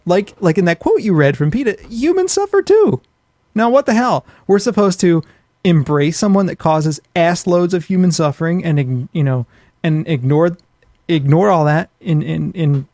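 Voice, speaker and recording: Guy podcast host ranting, sweary and blunt, kinda high voice, dry close sound. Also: expressive, normal speed, darkish tone, dry recording. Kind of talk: ranting casual podcast talk. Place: small home office.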